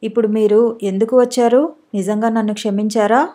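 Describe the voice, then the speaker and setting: A woman voicing a frail, gravely ill young wife who pleads tearfully for forgiveness, read in an audiobook. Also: on the high side, fairly even intonation, brisk, warm tone, lightly acted. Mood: tearful pleading.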